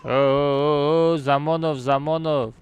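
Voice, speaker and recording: A man's voice: fairly high pitch, fairly even intonation, slow, a little hiss or hum. A young man with a Central Asian accent, a native Tajik speaker, bantering casually on a gaming livestream in a brash, teasing, repetitive way. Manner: brash, teasing, repeats himself. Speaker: game live streamer.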